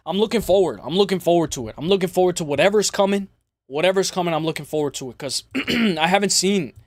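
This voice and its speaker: A man with a high, slightly raspy voice hosts a casual fight-talk livestream. He speaks in slangy, chummy phrases that he often repeats as he chats with viewers. The sound is close and dry. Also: no echo. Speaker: host of a live MMA preview stream.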